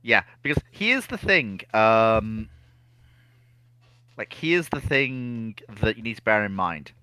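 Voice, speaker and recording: Lower-pitched man, sharp dry sound. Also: big pitch swings, slow, clean tone, dry recording. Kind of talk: casual opinionated discussion.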